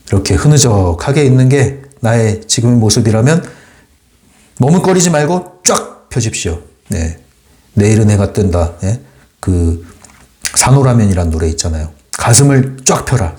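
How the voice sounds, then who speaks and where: A man's voice: medium pitch, a little mellow. Emphatic Korean man lecturing on a book. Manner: emphatic, exhorting, repeats short commands. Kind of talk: lively spoken book commentary.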